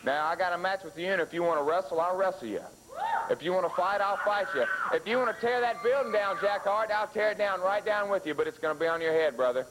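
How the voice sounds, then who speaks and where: A man's voice: high voice, fast, music in the background. A man giving a wrestling interview promo as a champion wrestler, earnest, defiant and repeating phrases for emphasis. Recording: noisy 1980s TV wrestling broadcast.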